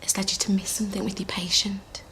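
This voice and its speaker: An actress playing a concerned nurse with a British accent in a naturalistic TV drama. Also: female voice, mid-range voice, little pitch movement, fast, in a whisper, close to an everyday voice. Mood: apologetic, hesitant. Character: mischievous but remorseful female nurse.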